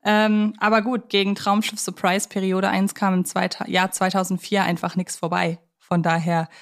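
A woman's voice: medium pitch, level tone, moderate pace. A woman co-hosting a podcast, discussing films in a casual, colloquial way with a fan's enthusiasm. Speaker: podcast co-host.

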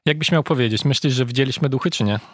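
A man, a travel reporter, chatting in an interview in a relaxed way with hesitant fillers. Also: medium pitch, quick pace, a little hiss or hum. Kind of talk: casual interview chat.

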